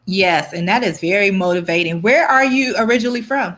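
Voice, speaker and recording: A woman hosts a conversational podcast interview. Her voice is bright and forceful, pitched around the middle for a woman. She talks in emphatic, motivational bursts with short punchy phrases. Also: a little fast. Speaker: podcast host.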